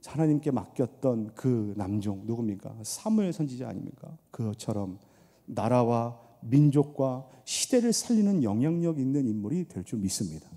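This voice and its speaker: A middle-aged pastor with a medium-pitched voice preaches a sermon in a church sanctuary, moving between loud appeals and quiet asides. He uses rhetorical questions and tells stories, and the recording carries the long reverb of a church hall.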